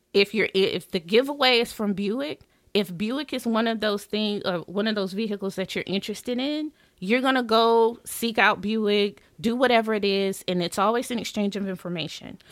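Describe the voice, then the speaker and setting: In a plain, everyday voice, a woman with an American accent speaks at a moderate pace and fairly high pitch with ordinary pitch variation, on a very clean recording with a silent background. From US South, Columbus, Georgia. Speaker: marketing consultant. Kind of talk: interview.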